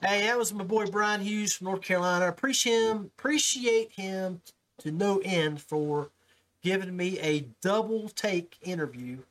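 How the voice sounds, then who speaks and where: Man, podcast host, folksy, slightly high-pitched. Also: a little slow, fairly bright tone, low-quality recording. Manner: folksy, repeats words when starting sentences. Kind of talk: casual podcast interview. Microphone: call audio with his own mic.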